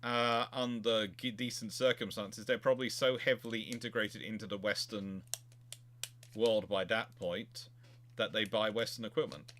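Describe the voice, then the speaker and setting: A man's voice: on the low side, fairly even intonation, normal speed, a bit bright, a little hiss or hum. A man hosting a casual history discussion, repeating and rephrasing himself as he explains. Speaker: host answering viewer questions.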